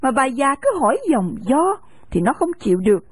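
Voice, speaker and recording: A woman narrating an audiobook novel in an expressive reading voice. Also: high voice, brisk, husky, no room sound.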